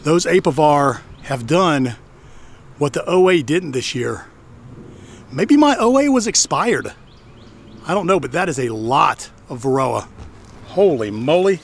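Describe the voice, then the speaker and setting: A middle-aged hobbyist beekeeper chats to the camera in a fairly high voice, exclaiming and restarting his sentences. He is recorded outdoors from a camera a few steps away, with a faint hum of insects and yard noise behind him. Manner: chatty, exclaims, restarts and repeats himself. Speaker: hobbyist beekeeper and channel host. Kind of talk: casual how-to vlog. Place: outdoors in a wooded backyard apiary. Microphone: camera on a tripod at a distance.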